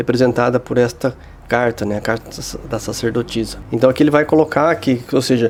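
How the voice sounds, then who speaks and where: Vocal fry runs through this man's voice. He talks at a moderate pace. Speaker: tarot archetype teacher. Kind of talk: lecture.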